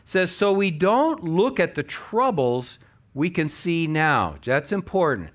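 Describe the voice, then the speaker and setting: Animated older American pastor, fairly high-voiced. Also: male voice, slow. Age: older, about 60. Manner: conversational, emphatic, acts out imagined objections. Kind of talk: sermon with scripture reading. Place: church stage at a lectern.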